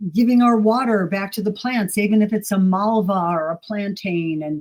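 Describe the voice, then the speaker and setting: At medium pitch and a moderate pace, a woman talks in a somewhat breathy voice with ordinary pitch variation. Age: 70s. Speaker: herbalist. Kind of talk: casual chat. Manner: animated.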